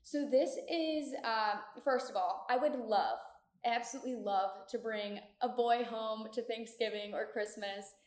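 Higher-voiced young American woman, echoey room. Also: unhurried. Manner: candid, chatty, informal, frequent "like". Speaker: podcast host. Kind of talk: casual solo podcast chat. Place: echoey community room of an apartment building.

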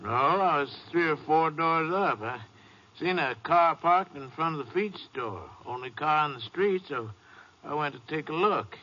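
A man's voice: on the high side, animated, unhurried, sharp tone, heavily acted. An actor playing a shaken but cooperative night watchman in a 1950s western radio drama, with plain, rural American speech. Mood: earnest, cooperative. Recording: dull old radio recording, faint noise.

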